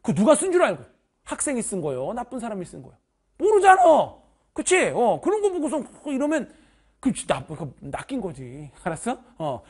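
A male math teacher talks straight to his students in an online course orientation, teasing them and breaking into loud bursts of emphasis. His voice is husky and swings widely in pitch. He speaks casually and informally to them throughout. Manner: animated, teasing, bursts of shouting; informal, addresses students directly.

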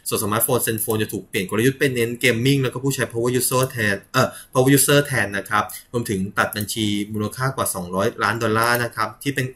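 A man hosts a casual tech news show, reading headlines and viewer comments with lots of polite filler particles, small slips and brief laughs. His voice is mid-range and a bit bright, with fairly even intonation.

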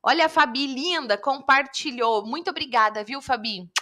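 A woman coach teaching public speaking in a live online lesson, lively and talking straight to viewers. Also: sits high, moderate pace. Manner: lively, addresses viewers directly.

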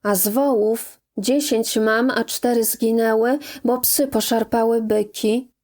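A plain-spoken young man voiced by a woman narrator reports in a calm, matter-of-fact way. His audiobook lines are slow and level, and the voice sits slightly high. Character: quiet, plain-spoken young male assistant.

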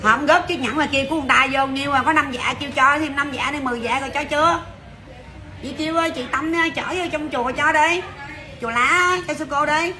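A woman selling jewelry on a livestream, chatty and brisk, calling out to viewers. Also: sits high. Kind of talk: fast livestream sales patter. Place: jewelry shop.

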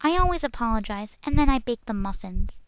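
A woman's voice: fairly high pitch, lively intonation, a little fast, clean tone, no echo, natural voice, poor audio. A woman voicing a sweet, clumsy female cartoon pegasus pony with a nasal, stuffy-nosed, simple and earnest delivery.

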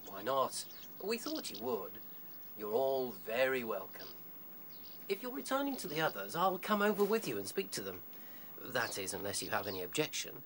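A man's voice: mid-range voice, huge pitch swings, normal speed, a bit bright, slight background noise. A British man acting a suave, languid, aloof rabbit in a radio play, speaking formally and without hurry. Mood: aloof, courteous.

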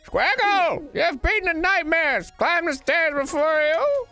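A man's voice: very high-pitched, expressive, unhurried, pushed and bright, soft background music, exaggerated voice. A man voicing a wise old male owl guardian from a game, with a grand, proclaiming delivery.

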